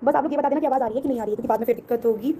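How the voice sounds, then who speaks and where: A woman vlogger chatting quickly and directly to her viewers from a room at home. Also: fairly high pitch, warm tone, slight background noise. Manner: chatty, rushed, keeps asking if viewers can hear her. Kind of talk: casual vlog talk to viewers.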